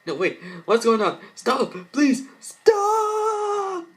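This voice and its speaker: A man's voice: very high-pitched, huge pitch swings, drawn-out words, fairly bright tone, pitched above the performer's own voice, full character voice. A man voicing an anxious, guilt-ridden teenage cartoon girl in a raised, strained voice. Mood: panicked.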